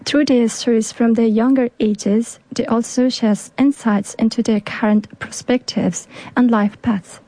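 A woman co-presenting a community radio show, reading a script in an even, careful way. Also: on the high side, unhurried, hardly any pauses, no room sound. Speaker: radio host. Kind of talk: scripted radio narration, translating.

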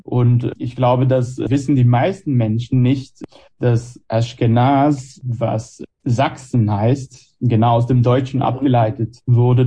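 An Israeli-born man in his twenties hosts a radio program and speaks German as a second language after Hebrew. His voice is dark and a little husky, and he delivers scripted narration and measured questions in a reflective way. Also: mid-range voice. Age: 20s. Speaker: radio show host.

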